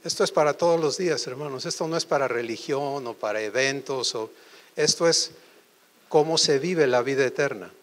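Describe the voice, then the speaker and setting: A man preaching a sermon, asking the congregation quick questions. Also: medium pitch. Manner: animated, quizzes the audience with quick questions.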